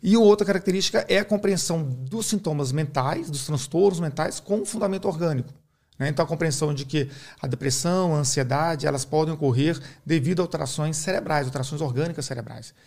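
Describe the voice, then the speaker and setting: A middle-aged Brazilian man, a neurologist, explaining his field in a measured, teaching way on a podcast, often tagging his sentences with a questioning aside. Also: a little high, creaky, darkish tone. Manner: measured, didactic, uses many "né?" tags. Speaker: neurologist guest.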